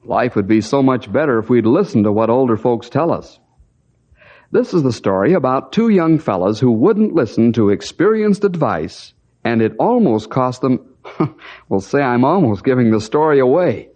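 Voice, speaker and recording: A man's voice: mid-range voice, very animated, normal speed, darkish tone. A male announcer giving a rousing, folksy show introduction that speaks to young listeners. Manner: rousing, folksy, addressing kids. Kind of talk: 1950s radio show introduction. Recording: dull old radio recording.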